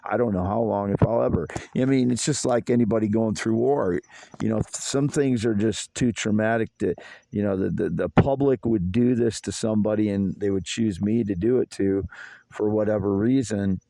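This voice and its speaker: Gravelly man in his fifties, aggrieved. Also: lowish voice, moderate pace, warm tone, no room sound. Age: 50s. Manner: rambling, aggrieved. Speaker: vlogger. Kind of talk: late-night solo monologue. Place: outdoors in a yard at night.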